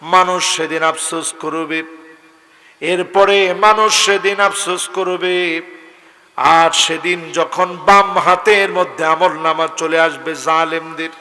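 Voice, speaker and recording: A man with a Bangladeshi Bengali accent preaching a sermon, dropping to low murmurs and then rising into high chanted shouts. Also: fairly even intonation, slow, in a large hall.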